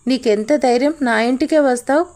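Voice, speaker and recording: A man's voice: extremely high pitch, fairly quick, darkish tone. Woman voicing a scheming male villain, sly, taunting, audio story.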